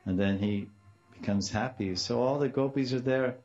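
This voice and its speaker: An older man with a deep voice gives an informal Hindu devotional discourse, telling stories and repeating key phrases and Sanskrit terms as a teacher. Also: moderate pace, a little mellow, faint music behind. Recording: dull, slightly muffled lo-fi recording.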